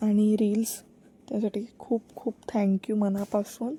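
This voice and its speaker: Heard in a dry, close sound with no echo, a woman speaks at a fairly high pitch in a dark, mellow, somewhat breathy tone with monotone, flat intonation. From Alibag, Maharashtra (Konkan coast). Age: 20s. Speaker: small business owner (handmade candles). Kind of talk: self-introduction voice-over.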